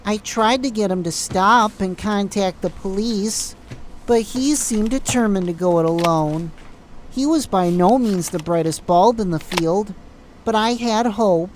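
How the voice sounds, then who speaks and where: A woman's voice: medium pitch, unhurried, a little hiss or hum, natural voice, rough recording. A woman playing an anxious, frustrated hospital worker in an audio drama. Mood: worried, exasperated.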